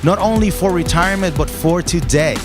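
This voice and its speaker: A man co-hosting, giving a scripted, lively show intro. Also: sits high, brisk. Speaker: co-host. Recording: voice over music bed.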